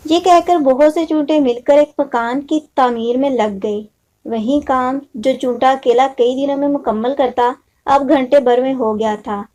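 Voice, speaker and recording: High-pitched, mellow woman storyteller. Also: a little slow. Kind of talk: scripted children's moral story narration.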